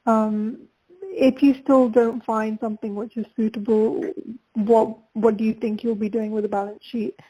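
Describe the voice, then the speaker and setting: A woman with a fairly high, soft-edged mellow voice puts questions as a financial analyst on a conference call. Her phrasing is fluent and informal. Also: flat delivery, moderate pace, breathy edge, poor audio.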